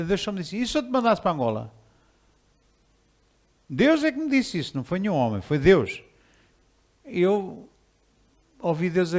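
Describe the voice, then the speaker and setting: A man preaching a sermon in a conversational, animated way, with restarts and chuckles. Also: a little high. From Portugal. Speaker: pastor.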